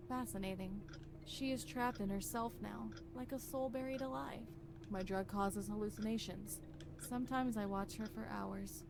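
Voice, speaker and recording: A woman playing a grave character in a horror game, reading sinister letters and diary entries aloud in a measured, formal, dramatic way. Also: medium pitch, vocal fry, background noise, close to an everyday voice. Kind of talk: scripted horror game narration.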